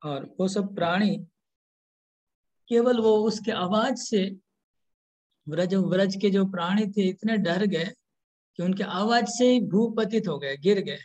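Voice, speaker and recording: A man giving a scripture lecture, explaining slowly in short pieces with restarts, and chanting verses. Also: high voice, darkish tone, low-quality recording. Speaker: spiritual lecturer.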